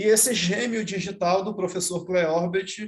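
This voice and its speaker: A man speaks at a fairly slow pace. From Maranhão, Brazil. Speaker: cybersecurity lecturer. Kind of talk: lecture.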